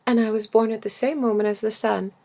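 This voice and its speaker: A woman's voice: on the high side, steady tone, fast, vocal fry, warm tone, voice pushed up. A woman voicing a vain, coquettish female flower in a storybook reading, with a languid, affected, coy manner. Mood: sweetly vain. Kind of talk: storybook character voice in audiobook reading.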